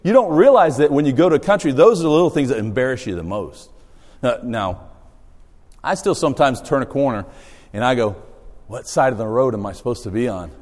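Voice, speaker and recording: A man from Australia, a missionary, telling humorous stories in a church talk with a low voice. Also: fairly quick. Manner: storytelling, animated, self-deprecating humor. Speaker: missionary speaker. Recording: long hall reverb.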